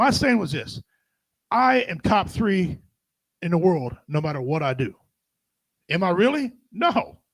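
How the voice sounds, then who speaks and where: This man's voice is high-pitched with lively intonation. The recording is very clean, with a silent background. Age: 50s. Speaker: comedian. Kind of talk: casual chat.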